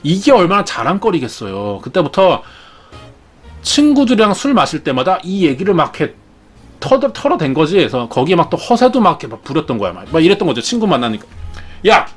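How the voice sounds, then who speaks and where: A man's voice: a little high, wildly swooping pitch, fast, breathy edge, soft background music. A man retelling myths in a chatty, jokey, casual way as a show host. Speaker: storyteller host. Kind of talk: casual storytelling.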